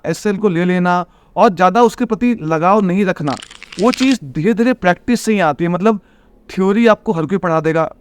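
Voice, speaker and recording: A man from Bihar speaks with a notably high, smooth voice, recorded close and dry. He is an earnest guest who gives advice and talks through his lessons. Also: dry recording. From Bihar, India. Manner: earnest, advice-giving, calls the host brother. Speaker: trader and IIT coaching teacher, podcast guest. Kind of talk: casual interview talk.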